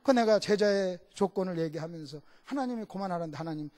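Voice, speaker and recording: A middle-aged male guest pastor delivers a sermon with a voice that rises and falls dramatically. He moves between fervent shouting and quiet, confiding asides. He acts out little voices and keeps asking the congregation questions. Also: extremely high pitch, a little fast, a little hiss or hum. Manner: animated, swings between shouting and hushed asides.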